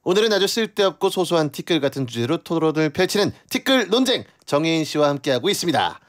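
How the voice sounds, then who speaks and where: A man's voice: on the high side, very animated, fast. A man around thirty hosting a live radio show as guest DJ, chatting casually and politely with playful teasing on a close studio mic. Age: late 20s to around 30. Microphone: close studio radio microphone.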